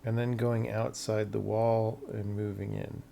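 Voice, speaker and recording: A man's voice: lowish voice, little pitch movement, measured pace, creaky, mellow, slight background noise. A man live-streaming game development, thinking aloud casually and muttering to himself in short fragments.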